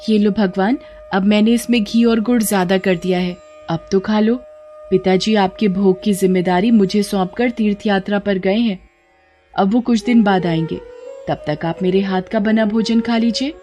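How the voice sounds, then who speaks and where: A woman's voice: medium pitch, steady tone, normal speed, warm tone, faint music behind, close to an everyday voice. A woman voicing a devout, innocent and stubborn young village girl who talks earnestly and pleads with her god. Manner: earnest, pleading, chatty devotion.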